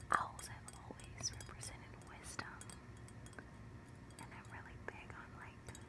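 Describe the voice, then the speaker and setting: The pace is fairly slow. Long, frequent pauses break up the speech. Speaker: ASMR creator. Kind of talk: ASMR tapping video narration. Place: home room.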